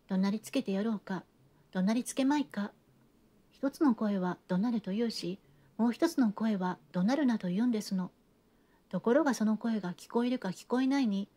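A woman's voice: fairly high pitch, mellow, natural voice. A woman reading an audiobook, voicing a theatrical, talkative genteel lady who chatters on with refined, breathless sentences. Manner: gushing, breathless chatter with refined feminine endings. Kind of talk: audiobook reading of a classic novel.

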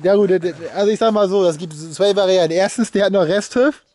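A man's voice: high voice, fairly quick, darkish tone, dry recording. A man chatting casually as a car vlogger, blunt and crude in slangy, joking banter, recorded outdoors. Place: outdoors in a farmyard beside parked cars.

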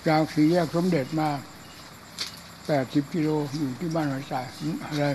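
An elderly monk gives a loose, chatty dharma talk, slipping into acted voices for his funny stories. His voice sits high for a man, with a faint hiss of noise under it. He is hard of hearing. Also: fairly even intonation, moderate pace. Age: older. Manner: chatty and humorous, acts out voices in anecdotes. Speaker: Buddhist monk. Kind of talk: informal dharma talk and storytelling.

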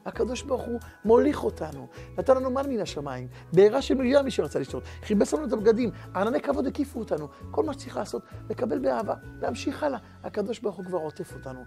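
A male rabbi preaches in a high voice, emphatic and repetitive, often turning to address his listeners directly. Soft music plays faintly underneath his sermon. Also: lively intonation, gravelly, hardly any pauses. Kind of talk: sermon with a parable.

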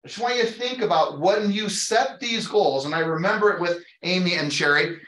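A middle-aged American man speaks as a motivational sales trainer in an echoey room. His voice sits a little high for a man, and he talks emphatically but conversationally, often tossing questions at his listeners. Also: a little fast, a bit bright. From Utah, United States. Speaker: real estate sales trainer. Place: indoor training room with whiteboards.

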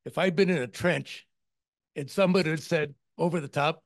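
A man's voice: a little high, a little fast, no room sound, studio quality. A man in the audience asking an earnest, pressing question in a meeting room.

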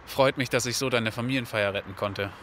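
A man's voice: medium pitch, brisk, background noise, close to an everyday voice. An actor playing an easygoing, friendly man in an audio drama. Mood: casual.

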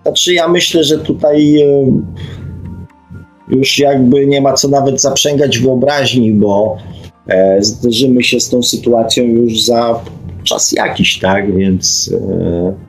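A middle-aged radio host from Poland speaks slowly at a medium pitch with a steady tone, faint music behind him and poor audio throughout. Reflective and hesitant, he talks without a script, reads listener comments, and often ends phrases on a questioning tag.

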